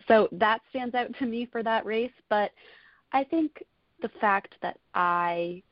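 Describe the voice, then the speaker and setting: A woman's voice: lowish voice, vocal fry, dry recording. A woman in her twenties, a college rowing coxswain, answering interview questions in an earnest, casual way with frequent fillers. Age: 20s. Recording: dull lo-fi audio.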